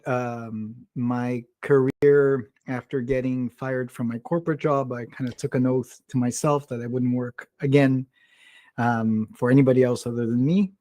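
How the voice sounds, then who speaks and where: Man from brazil, interview guest, mellow tone, dry sound, friendly. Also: medium pitch, dry recording. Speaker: guest, company founder. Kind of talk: casual interview talk.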